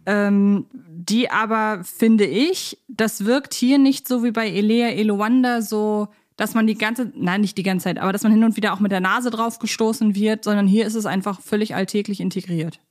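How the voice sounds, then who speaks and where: A woman's voice: medium pitch, moderate pace, hardly any pauses. A woman co-hosting a casual podcast chat, thoughtful and groping for words through long, winding sentences. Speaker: podcast co-host. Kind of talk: casual chat reviewing children's audio dramas.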